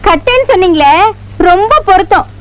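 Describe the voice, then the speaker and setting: An actress playing the warden's young sister, teasing and playful in a film comedy. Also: female voice, extremely high pitch, lively intonation, fairly quick, rough recording.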